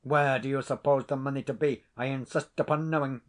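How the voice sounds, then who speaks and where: A man voicing a stern, cold Scottish laird who speaks in a measured, commanding way. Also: medium pitch, steady tone, natural voice.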